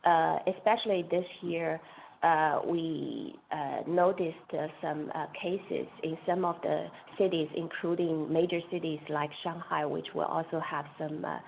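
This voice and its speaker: Creaky-voiced woman on a noisy call line. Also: deep voice, steady tone, measured pace, dull audio. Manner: hesitant, broken phrasing. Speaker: company finance executive. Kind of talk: earnings call answers.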